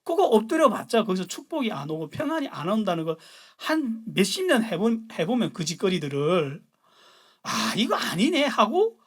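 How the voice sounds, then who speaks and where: A pastor giving a sermon, retelling scripture in a blunt, colloquial way, jumping between loud outbursts and hushed asides. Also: mid-range voice, sing-song, moderate pace.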